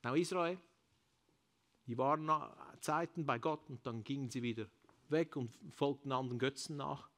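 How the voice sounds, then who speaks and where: A man with a Swiss German accent preaching a sermon in a church, rising to loud calls and dropping to quiet endings, slipping in English phrases. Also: medium pitch, moderate pace. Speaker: pastor. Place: church service.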